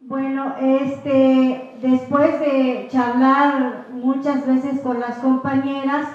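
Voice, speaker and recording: A woman whose first language is Chol speaks slowly and haltingly, leaning on "este" between thoughts. Her voice is high. The audio is dull and muffled, heavy with echo from a large room. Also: flat delivery, a little mellow. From Chiapas, Mexico. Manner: slow and hesitant, many "este" fillers. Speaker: activist speaker on a panel. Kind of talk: public talk presentation.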